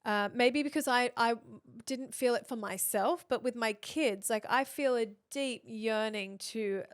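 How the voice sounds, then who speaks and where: A woman in a relaxed podcast chat, with a slightly high voice that sits close to the mic. Her talk is candid and emphatic, and she backs up her co-host with quick agreement. The sound is dry and close, with almost no room in it. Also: no room sound. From Australia. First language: Thai and English. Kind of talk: casual chat.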